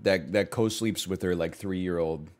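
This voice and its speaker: A man in his thirties riffing casually while streaming games, animated and swinging between loud and quiet for comic bits, on a headset mic at home. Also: deep voice, a little slow. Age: 30s. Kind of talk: casual gaming stream chat. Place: small room at home.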